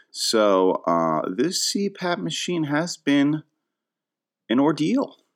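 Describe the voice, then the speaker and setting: The recording is very clean with a silent background as a man delivers his words at a very slow pace. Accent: American. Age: 40s. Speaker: podcaster. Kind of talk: casual solo monologue. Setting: at home. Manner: rambling, self-deprecating.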